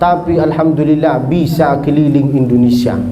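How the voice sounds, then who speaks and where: A man with an Arabic accent and lively intonation, amid noticeable background noise and audible room echo. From Saudi Arabia, Mecca. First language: Arabic (speaking Indonesian). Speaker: preacher. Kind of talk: sermon. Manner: animated.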